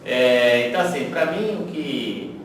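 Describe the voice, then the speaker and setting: A man's voice: mid-range voice, animated, measured pace. A middle-aged man with a São Paulo accent telling stories about himself conversationally as an interview guest. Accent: São Paulo Brazilian Portuguese. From São Paulo, Brazil. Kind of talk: conversational career reminiscence. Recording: very echoey, noisy room, distant microphone.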